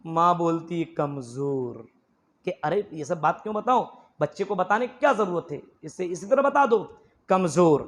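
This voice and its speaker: High-voiced male preacher telling stories. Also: brisk, few pauses. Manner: emphatic storytelling with repeated phrases, addressing the audience as brothers. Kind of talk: sermon. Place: mosque gathering.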